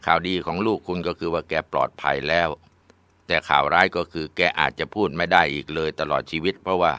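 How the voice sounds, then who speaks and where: A man voicing a doctor who gives bad news slowly and formally. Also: deep voice, steady tone, pushed and bright, clear, resonant tone, no room sound. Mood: grave. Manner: slow, measured, formal. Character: calm male doctor, grave.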